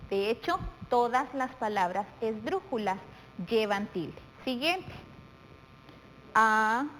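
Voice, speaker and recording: A middle-aged woman teaches a televised class for young children, her voice pitched fairly high. She speaks patiently and deliberately, stretching out words syllable by syllable. A faint reverb and light noise hang behind her. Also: lively intonation. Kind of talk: televised primary-school lesson.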